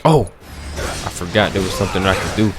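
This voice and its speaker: A man giving casual, colloquial let's play commentary in a gravelly voice, talking to himself. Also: low-pitched, fairly quick, music in the background. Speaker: gaming content creator.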